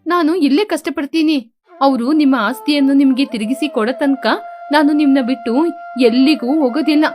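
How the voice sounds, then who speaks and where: A woman voicing a defiant, loyal teenage girl who scolds her parents in a sharp, indignant way. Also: high-pitched, normal speed, soft background music, natural voice.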